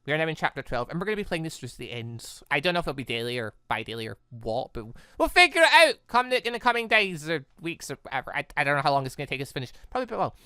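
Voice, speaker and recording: A man with a bright, clear voice hosts a casual let's play. His pitch swings widely as he rambles along excitably. The delivery is informal and conversational. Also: racing, few pauses, no room sound, clean studio sound. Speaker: gaming video host.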